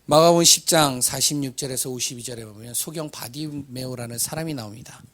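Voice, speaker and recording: A hoarse man preaching a sermon, asking rhetorical questions and swinging from loud cries to hushed asides, stumbling over words now and then. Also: mid-range voice, a little fast.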